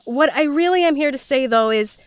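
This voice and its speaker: A woman's voice: sits high, a little fast, no echo, natural voice. An actress playing a timid, polite, apologetic young woman who speaks hesitantly in a sci-fi audio drama. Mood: tentative, nervous. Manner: hesitant, tentative, rambling politely.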